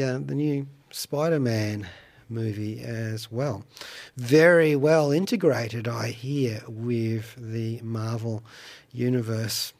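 A man's voice: mid-range voice, darkish tone. Wry, playful male radio host. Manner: wry, playful, theatrical asides and deliberate phrasing. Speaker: radio show host and reviewer. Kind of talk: chatty radio commentary on pop culture. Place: radio studio.

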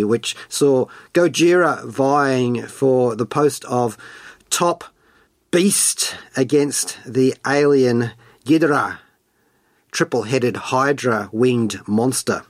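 A man's voice: medium pitch, no room sound. A man hosting a radio show, reading scripted film and music commentary in a playful, wordy, colloquial way.

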